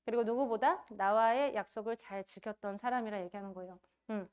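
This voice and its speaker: A woman giving a motivational business training talk, animated and acting out quoted voices. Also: mid-range voice, a little fast, smooth.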